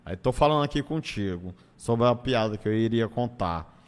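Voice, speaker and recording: At normal speed and in an animated, medium-pitched voice, a comedian with a northeastern Brazilian accent recounts stories as an interview guest. The storytelling is casual and colloquial, full of acted-out bits and repeated phrases, with a long hall-like echo on the audio.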